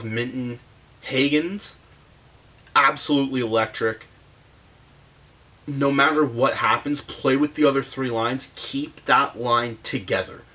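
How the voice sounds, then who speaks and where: A man with a sick, hoarse voice hosting a casual hockey game breakdown, halting with frequent fillers and pauses. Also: medium pitch, bright, forceful tone. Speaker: hockey commentary host. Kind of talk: casual sports breakdown monologue.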